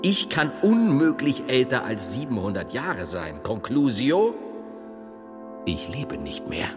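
A stern medieval monk and scholar in a radio play, ringing in a long reverb. He reasons slowly and pedantically, with expressive intonation over music. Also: mid-range voice. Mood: grave, reasoning. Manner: solemn, precise, pedantic. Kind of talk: theatrical radio drama acting.

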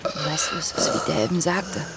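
A woman playing a distressed but defiant and compassionate thirties character in a naturalistic radio drama, speaking haltingly. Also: low voice, fairly even intonation, gravelly, heavy background noise. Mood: tender, soothing. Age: 30s.

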